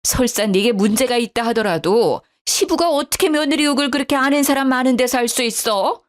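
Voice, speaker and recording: A woman's voice: medium pitch, animated, moderate pace, lightly acted. A woman voicing an indignant middle-aged mother in a storybook drama, talking in an agitated, scolding way.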